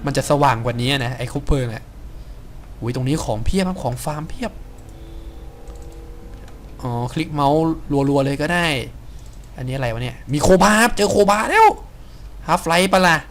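Young guy yelling and laughing through a game playthrough, kinda high voice, faint game sounds behind. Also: moderate pace, long pauses, a little hiss or hum. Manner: excitable, exclaiming and laughing at the game. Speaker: game streamer. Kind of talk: Let's Play commentary.

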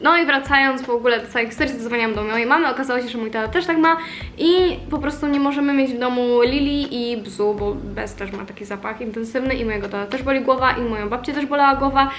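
A woman's voice: fairly high pitch, quick pace, fairly bright tone. A young woman chats casually to her followers as a vlogger, telling things in an informal, confiding, rambling way. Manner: informal, confiding, rambling storytelling with occasional swearing. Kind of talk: casual chatty vlog talk to followers.

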